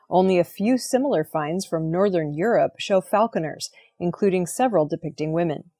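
A woman reading the weekly archaeology news headlines in a clear, measured scripted style. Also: fairly low pitch, a little mellow. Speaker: news reader.

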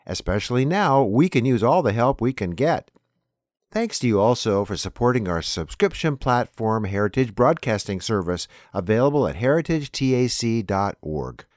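A man hosting a weekly news program, reading an introduction and listing headlines in a measured way. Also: medium pitch, very animated, a little mellow, dry recording, clean studio sound. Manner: plain, measured announcer reading.

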